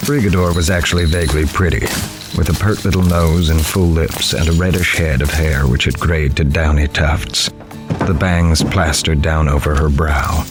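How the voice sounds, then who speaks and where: An actor playing a grave, observant newspaper reporter, narrating a horror audio drama in the first person in a measured, literary way. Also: male voice, very deep voice, steady tone. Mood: somber. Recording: music behind the voice.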